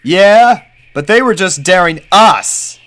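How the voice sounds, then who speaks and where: A man puts on an easygoing young boy unicorn for a storybook. The voice is lifted well above a man's talk, bright and forceful, with a loyal, friendly-kid temper. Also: sits high, animated, slow, voice pushed up, heavily acted. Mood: matter-of-fact. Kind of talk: acted character voice in fan fiction reading.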